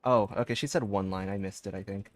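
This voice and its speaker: A man's voice: fairly low pitch, steady tone, quick pace, noisy background. A man streaming a video game, giving casual, loosely rambling and hesitant commentary. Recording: game music under the voice.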